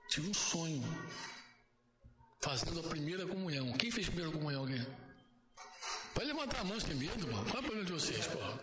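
A man preaching informally to church leaders, telling stories in a blunt, slangy, animated way. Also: a little high, fast, long pauses. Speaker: pastor. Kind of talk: informal sermon talk. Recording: echoey hall with noise.

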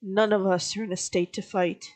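A woman speaks in character at the game table, urging the others to leave. Her lines come out short and clipped, with her voice at a mid-range pitch. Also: steady tone, normal speed, darkish tone. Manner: urgent, clipped. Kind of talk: in-character tabletop role-play.

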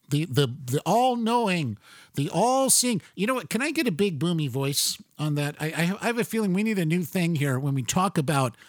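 Male talk show host, sarcastic, animated pitch, dry close studio sound. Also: dry recording. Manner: conversational, sarcastic, frequent fillers and restarts. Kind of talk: political talk show monologue.

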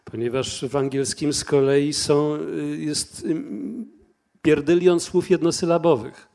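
A man's voice: a little high, steady tone, measured pace, a little mellow. A man, a translator on a discussion panel, answering questions thoughtfully with restarts and fillers.

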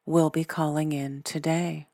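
A woman leading a guided meditation in a soothing, deliberate way, pausing often between short phrases. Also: deep voice, little pitch movement, no room sound, clean studio sound. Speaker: meditation guide, podcast host. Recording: background music. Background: soft instrumental music.

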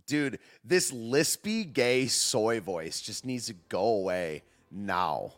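A man's voice: on the low side, expressive, slow pace. A man with a slight lisp hosting a casual reaction stream, rambling and scoffing, peppering his talk with "dude" and "man". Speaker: streamer host.

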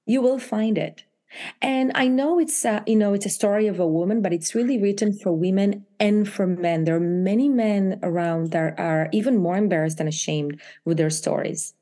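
A woman with an Israeli accent speaks about her own book as an interview guest. Her voice is mellow and relaxed in tone, yet her delivery is animated, with frequent laughs and sudden high swings for emphasis. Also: normal speed. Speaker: author guest. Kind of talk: interview chat.

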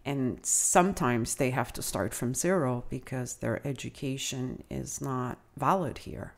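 Woman teacher, middle-aged, low easy voice, reflective interview guest. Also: gravelly. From Canada. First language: Italian. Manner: reflective, measured, frequent uh and um fillers. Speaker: adult educator, guest. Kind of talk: interview answers.

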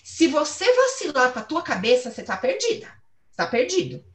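A woman in her thirties with a Brazilian accent, giving a blunt, animated motivational talk and swearing freely. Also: high-pitched, normal speed, roomy sound. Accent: Brazilian Portuguese. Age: 30s. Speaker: host and coach.

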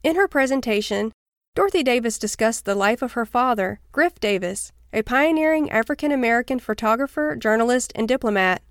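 A woman hosting a history podcast, reading a clear, polite scripted intro and asking interview questions. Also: on the high side, expressive, fairly quick, dry recording, clean studio sound. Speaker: podcast host.

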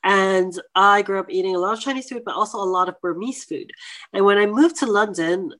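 Interview guest: woman, 40s, from New York, animated storyteller who mimics voices. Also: mid-range voice, a little fast. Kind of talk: conversational interview.

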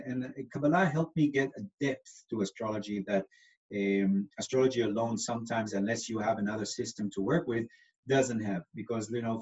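A man's voice: mid-range voice, a little mellow, dull audio. A man from Israel with an Israeli accent, explaining things patiently in an interview, with lots of fillers. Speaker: astrologer guest.

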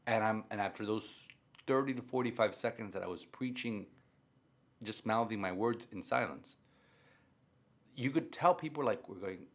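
Low-voiced, emphatic Catholic priest, native Spanish speaker. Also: male voice, moderate pace, pauses often. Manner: emphatic, repeats phrases for stress. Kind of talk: conversational religious talk.

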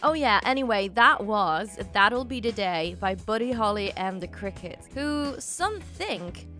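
A woman hosts a podcast, narrating a scripted story conversationally with personal asides and addressing her listeners directly. Her mid-range voice is bright and forceful, with lively intonation and a slightly slow pace, over soft background music.

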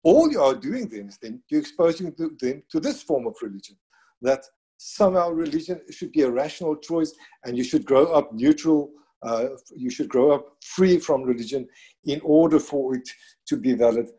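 Man with a foreign accent, slightly high voice, breathy, keeps restarting his sentences. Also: lively intonation, warm tone. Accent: non-native English accent. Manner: thoughtful, halting, with many restarts. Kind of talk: conversational discussion.

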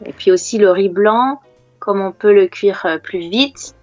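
A woman from France chatting casually as a conversation partner, explaining things patiently with lots of hesitant pauses. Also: medium pitch, darkish tone, no room sound, lo-fi sound, soft background music. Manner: patient, explains words slowly with many hesitations. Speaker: native French conversation partner.

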